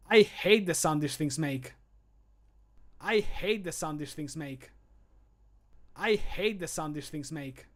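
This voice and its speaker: Man acting as disdainful adventurer, grim tone, fantasy game dialogue, higher-set male voice. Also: slow, long pauses, fairly bright tone. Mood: disgusted. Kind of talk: video game voice-line acting.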